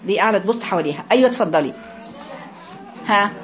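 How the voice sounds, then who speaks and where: An Egyptian woman teaching Quran recitation to a class, correcting students and demonstrating drawn-out chanted syllables. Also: medium pitch, lively intonation, slight background noise. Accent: Egyptian Arabic.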